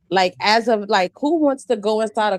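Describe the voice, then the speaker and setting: Her intonation lively and her pace fairly slow, a woman speaks in a dry, close recording with no echo. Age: 40s. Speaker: live stream host. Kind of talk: casual chat.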